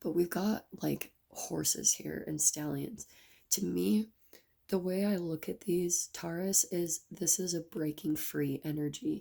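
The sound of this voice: A woman's put-on character voice, raspy and fairly low, delivered at a fairly slow pace.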